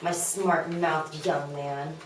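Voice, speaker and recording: A woman's voice: low-pitched, fairly even intonation, slow, slight background noise. A young woman at a table read playing a philosopher's angry, threatening, nagging wife in a comedy. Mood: scolding, threatening. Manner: scolding. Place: small meeting room around a table. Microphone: far camera or table recorder. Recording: very echoey meeting room, distant mic.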